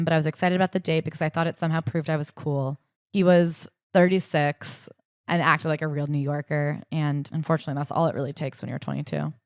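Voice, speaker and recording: A young woman co-hosting a podcast, summarizing a book and reading passages aloud in a brisk, chatty way. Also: sits low, smooth, no echo, studio quality. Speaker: podcast co-host. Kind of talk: casual book-club chat with read-aloud passages.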